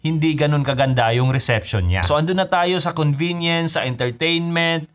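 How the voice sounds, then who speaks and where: A vlogger with a Filipino accent delivers a scripted motorcycle gear review in Taglish, mixing English phrases into his narration. His voice is fairly high and expressive, at a moderate pace.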